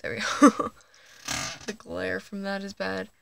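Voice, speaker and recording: Recording on his phone from beneath his bed at home, a teenage trans guy shares a casual late-night vlog in a hushed, hesitant voice punctuated by nervous laughter. He sounds high and creaky, keeps a level tone, and takes it slowly, with slight background noise.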